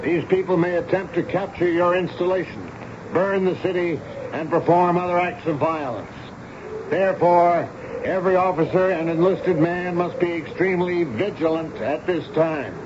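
An actor playing a stern, formal army major in a radio drama, measured and authoritative. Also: male voice, high voice, natural voice. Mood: stern, official. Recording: muffled, noisy old radio broadcast.

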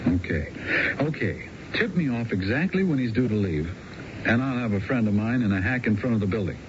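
A brash, streetwise male crook from a seventies radio play, acted by a man, swinging up and down in pitch as he talks slick slang. The old broadcast is muffled and quite noisy. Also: lively intonation, a little fast, close to an everyday voice. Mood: brisk, businesslike. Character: cocky, smooth-talking small-time male thief and hustler. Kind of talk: 1970s radio drama acting.

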